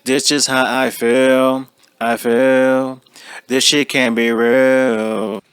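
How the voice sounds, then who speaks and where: A man singing a slow recorded vocal, run through auto-tune. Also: mid-range voice, expressive, vocal fry, clear, resonant tone, no room sound. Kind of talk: played-back sung vocal recording.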